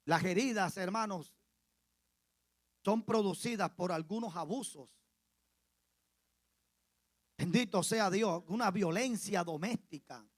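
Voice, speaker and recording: A male pastor with a Colombian Caribbean accent preaches a sermon as a story, repeating phrases for emphasis and swinging from soft asides to loud cries. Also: high-pitched, unhurried, dry recording. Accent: Colombian Caribbean Spanish.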